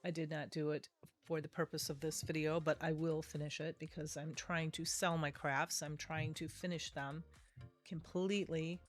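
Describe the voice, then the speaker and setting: A woman's voice: low-pitched, little pitch movement, moderate pace, faint music behind. A middle-aged woman, nasal from a cold, chatting her way through a craft tutorial and often correcting herself. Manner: chatty, rambling, self-correcting. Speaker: craft video host. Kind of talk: casual craft tutorial voice-over.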